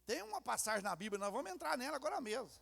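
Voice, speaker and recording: A man's voice: very high-pitched, very animated, very fast, vocal fry, a bit bright. A man preaching a sermon as pastor in a church, with a Brazilian Portuguese accent, acting out family quarrels in little character voices. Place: church sanctuary. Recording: reverberant church hall.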